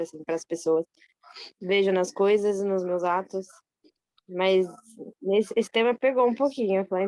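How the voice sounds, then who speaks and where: A woman's voice: medium pitch, dry recording. Candid, hesitant woman on a call. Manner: hesitant, self-correcting, candid. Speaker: study group participant. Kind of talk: casual group testimony.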